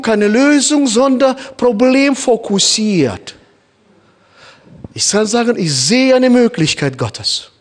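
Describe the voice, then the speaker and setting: A man's high voice, born in Kazakhstan and carrying a noticeable foreign accent, preaches to his congregation. His pitch leaps and falls constantly as he acts out small scenes and turns to his listeners with direct questions. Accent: Kazakh-born, speaking German with a noticeable foreign accent. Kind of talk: sermon.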